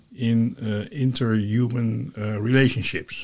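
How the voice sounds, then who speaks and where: A very slow pace in a Dutch accent. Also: man. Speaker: podcast host. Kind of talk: interview. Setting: remote call. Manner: halting.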